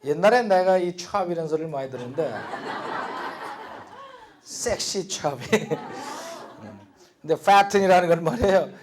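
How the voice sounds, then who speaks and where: A man's voice: fairly high pitch, lively intonation, a little fast. An older man teaching an English speaking lesson from Bible verses, joking and repeating words for the class to drill.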